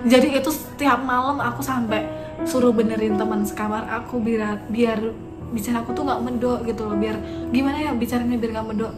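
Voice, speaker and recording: A woman's voice: a little high, fairly even intonation, brisk. A woman from Yogyakarta with a Javanese accent, chatting casually as a guest and laughing easily. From Yogyakarta, Indonesia. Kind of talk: casual chat. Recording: echoey room with music behind.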